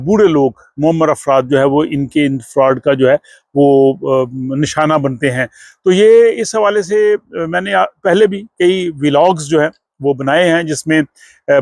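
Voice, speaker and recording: A man speaks in a somewhat high voice, recorded very dry with no room sound. He presents news to his vlog viewers in an explanatory way, often pausing on fillers as he goes. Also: no room sound. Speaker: vlog host.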